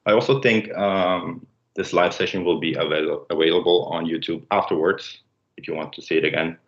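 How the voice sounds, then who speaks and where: A man in his late twenties from Denmark, opening and hosting a student livestream in a casual, halting way with many fillers. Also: low-pitched, fairly even intonation, vocal fry, a bit bright. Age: late 20s. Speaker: student presenter. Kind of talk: livestream presentation. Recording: dull roomy sound.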